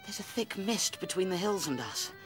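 A man's voice: high voice, lively intonation, normal speed, over music. A man acting in a radio play as a small, anxious visionary rabbit, fretful and intense.

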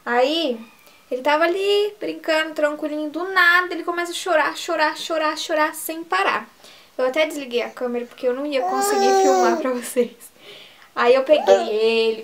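A woman's voice: high voice, a bit bright, a little hiss or hum. A young woman vlogging to camera as a mother at home, chatty and cooing to her baby. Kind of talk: casual vlog to camera. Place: bedroom at home.

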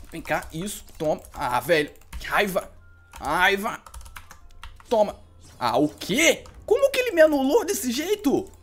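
A young man with a Brazilian Portuguese accent giving live gameplay commentary, excitable and frantic, repeating words. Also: sits high. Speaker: gaming YouTuber.

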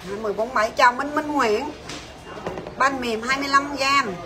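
A woman's voice: high-pitched, normal speed, a crowd in the background. A woman selling jewelry on a livestream from her shop, chatty and bossy, teasing her staff and calling out prices. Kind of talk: livestream sales pitch.

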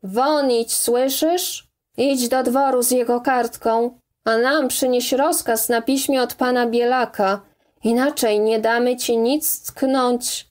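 Hostile peasant man, shouts and threatens, as a woman narrator plays him. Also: on the high side, fairly even intonation, slow pace. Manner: shouting insults, bullying. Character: coarse, hostile man, a forester's tenant.

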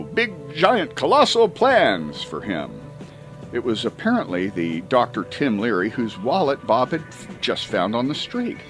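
A man reading a comic first-person story as an audiobook, with dramatic emphasis and drawn-out words. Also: medium pitch. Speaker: audiobook reader.

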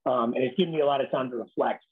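Raspy-voiced man on a video call. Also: medium pitch, racing. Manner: plainspoken, blunt, casual military slang. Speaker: Marine Corps officer speaking to a unit. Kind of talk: informal leadership talk over video call. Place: small room indoors. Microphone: laptop webcam on a video call. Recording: tinny video call audio.

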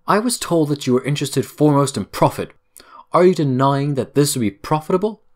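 A man playing a pushy, insistent corporate employee making a business pitch in an audio drama. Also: expressive, a little fast.

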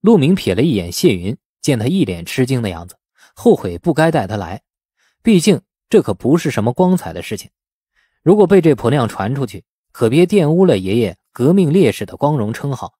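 Animated male audiobook narrator. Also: medium pitch, brisk, slightly rough, no echo, studio quality. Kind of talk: scripted dramatic novel narration.

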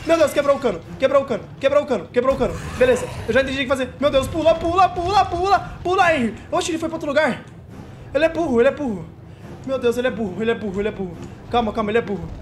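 High-voiced panicky young man gaming. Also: very fast, slight background noise. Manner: panicky, repeats phrases over and over, shrieks when scared. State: shaky and sweating from fear. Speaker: gamer streamer. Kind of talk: horror game let's play commentary.

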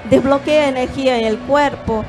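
A Brazilian woman yoga teacher speaking Spanish in a gentle, measured way with small hesitations, on a handheld mic at a fair stand. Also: sits high, fairly even intonation, over music, a crowd in the background, rough recording. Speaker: yoga teacher and holistic therapist. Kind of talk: calm explanatory interview answers. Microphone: handheld microphone.

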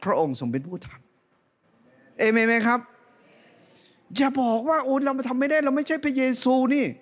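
A middle-aged male pastor preaches from a church stage, holding a handheld mic. His voice sits fairly high for a man and leaps around a great deal, rising to loud calls and dropping to quiet asides. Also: normal speed. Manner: animated preaching, swinging between loud rising calls and soft low asides. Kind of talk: sermon.

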